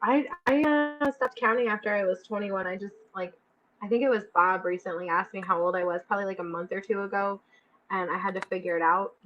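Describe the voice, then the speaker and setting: A woman's voice: mid-range voice, fairly even intonation, fast, a bit bright, lo-fi sound. A woman in her twenties hosting a casual live chat, giggling often and reading out viewer comments. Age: 20s. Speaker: host of a live stream.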